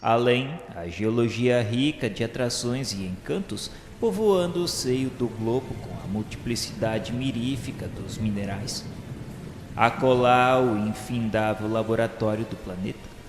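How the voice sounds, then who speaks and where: A Brazilian man playing a repentant spirit who narrates a radio serial, solemn, fervent and awestruck, declaiming in grand literary style with dramatic pauses. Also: medium pitch, background noise, lightly acted. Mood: solemn awe. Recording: echoey hall reverb over music. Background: music.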